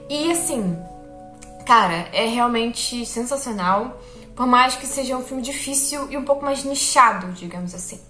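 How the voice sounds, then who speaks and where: A woman's voice: high voice, a bit bright, reverberant. A young woman chatting casually about a film she liked, chatty and self-deprecating, often checking in with her viewers. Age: young adult. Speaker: film vlogger.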